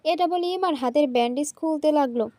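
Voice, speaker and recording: High-voiced woman storyteller. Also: brisk, mellow, dry recording. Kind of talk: scripted story narration.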